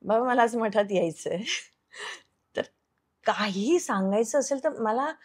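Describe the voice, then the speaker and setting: Earnest actress telling a personal story. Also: female voice, on the high side, expressive, slow pace. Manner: earnest, recounts events by acting out quoted dialogue; slips English phrases into her speech. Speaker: television actress, interview guest.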